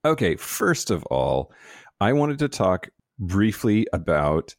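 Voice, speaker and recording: Enthusiastic male podcast host, lively swooping pitch. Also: slow pace, no room sound, clean studio sound. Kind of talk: casual, upbeat podcast chat.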